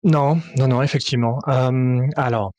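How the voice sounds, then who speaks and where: A man, a French-speaking tabletop game author, answering interview questions in a halting way with many fillers and restarts. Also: medium pitch, steady tone, a little mellow, no room sound, dull audio.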